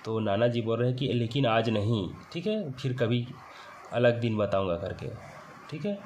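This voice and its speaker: A male English teacher with a Hindi accent, reading a text slowly word by word and explaining each part. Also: medium pitch, animated, darkish tone, slight background noise. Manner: reads English words slowly, then explains them in Hindi. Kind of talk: classroom lesson explaining a text.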